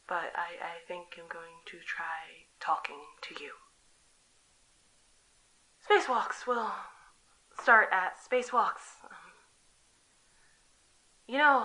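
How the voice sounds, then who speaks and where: A woman playing an awkward, vulnerable space courier recording a log in an audio drama, halting and self-conscious. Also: lowish voice, pushed and bright, pitched below the performer's own voice, rough recording. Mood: self-conscious, tentative, then halting, determined.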